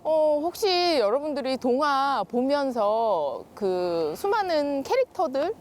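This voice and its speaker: A woman explaining things step by step on a panel show, with drawn-out pauses between phrases. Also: high-pitched, big pitch swings, darkish tone, slight background noise. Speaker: guest expert on children's stories.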